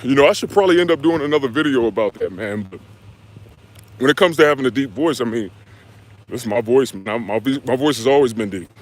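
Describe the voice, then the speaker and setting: A young fitness coach from the United States hosts a live stream Q&A, reading chat comments and answering viewers' questions in a relaxed, slangy way. His mid-range voice moves fairly quickly, and he talks straight to the audience with words like "y'all" and "man."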